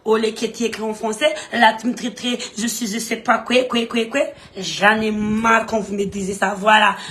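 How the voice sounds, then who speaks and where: A woman's voice: mid-range voice, level tone, normal speed, fairly bright tone. A Malagasy woman, the host of a live stream, chatting casually in French and scolding her viewers in an emphatic, repetitive way. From Madagascar. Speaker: streamer reading comments.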